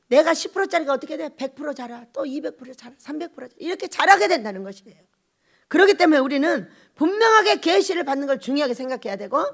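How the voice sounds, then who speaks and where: Woman pastor, sermon, high voice, swings from shouting to whispering. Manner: emotional preaching, swings from shouts to hushed whispers; asks the congregation rhetorical questions.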